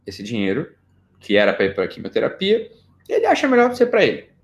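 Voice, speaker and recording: Animated Brazilian man lecturing fast. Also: medium pitch, highs cut off. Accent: Brazilian Portuguese. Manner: animated, jokey, rhetorical questions. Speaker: psychology lecturer. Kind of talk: informal live lecture.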